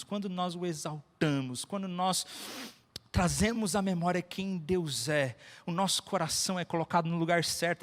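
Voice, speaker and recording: A Brazilian man preaching a sermon with personal stories, emphatic and repeating phrases for effect. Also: high voice. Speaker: pastor. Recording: echoey hall with long reverb.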